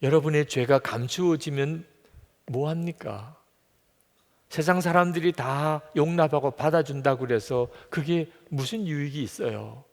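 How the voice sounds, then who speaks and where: A man's voice: on the high side, unhurried. A middle-aged man preaching a sermon as pastor, earnest, voicing God's words in quotes and sometimes dropping to a whisper. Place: church sanctuary. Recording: long hall reverb.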